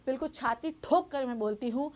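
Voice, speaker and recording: A woman's voice: high voice, a little fast, a little mellow. A woman, a biology exam educator, guiding students directly and reassuringly while mixing in English terms. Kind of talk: exam guidance talk to students.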